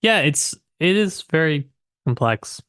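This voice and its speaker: A man's voice: a little high, lively intonation, takes it slowly, a bit bright, clean tone, dry recording, clean studio sound. A man co-hosting a book podcast in casual conversation, tentative and searching for words as he works through his thoughts. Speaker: podcast co-host discussing a novel.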